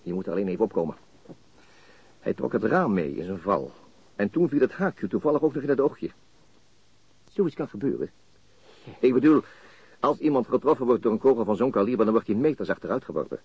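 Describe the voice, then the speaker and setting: Calm male police detective, low husky voice, probing, matter-of-fact, radio crime drama. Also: no echo, full character voice. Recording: dull, lo-fi radio recording.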